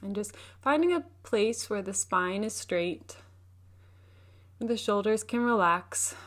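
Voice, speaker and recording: Woman doing guided meditation, soothing and gentle, takes her time, mid-pitched voice. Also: lively intonation. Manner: gentle, unhurried, soothing instruction. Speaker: meditation teacher.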